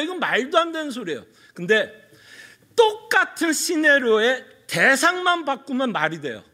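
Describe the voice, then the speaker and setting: A male pastor preaching with a strikingly high voice for a man. His pitch rises and falls with great liveliness. He tells stories, puts questions to the congregation and draws out words for emphasis. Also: a bit bright. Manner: storytelling with rhetorical questions to the congregation; slows down to stress words. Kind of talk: sermon. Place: church.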